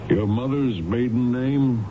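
An actor in a radio drama playing a polite, persistent lawyer with a measured, questioning manner. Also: male voice, mid-range voice, close to an everyday voice. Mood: courteous, probing. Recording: tinny, noisy 1970s radio broadcast.

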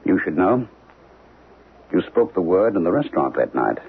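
A man acting an earnest, intense professor in a 1970s radio drama, speaking haltingly and repeating words. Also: low-pitched, sing-song, slightly rough, full character voice. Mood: intense recollection. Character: earnest male professor gripped by resurfacing alien racial memories. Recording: muffled, noisy old radio broadcast.

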